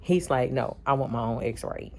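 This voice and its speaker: A woman's voice: extremely low pitch, normal speed. A woman chatting casually in a vlog, laughing often and acting out bits of her story. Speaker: vlogger.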